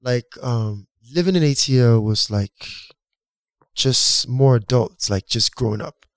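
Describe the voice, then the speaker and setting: A man's voice: mid-range voice, a little slow, no room sound. Nigerian-born guy, yoruba first language, chatting loose and rambly about his music, plain mid voice, dry close sound. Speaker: guest musician. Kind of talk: casual interview talk.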